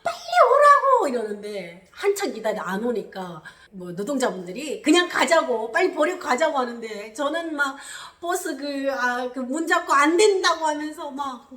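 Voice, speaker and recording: High-voiced woman telling a story. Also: normal speed, hardly any pauses, roomy sound. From North Korea. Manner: animated, re-enacts quotes with loud high bursts. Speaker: channel host. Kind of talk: personal storytelling.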